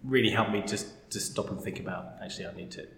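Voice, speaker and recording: A man's voice: on the low side, fast talker, fairly bright tone. A man chatting as a patient guest, with hesitant restarts, recorded in a big echoing conference room. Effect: big hall echo. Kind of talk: casual conversation. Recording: echoey large room, noisy.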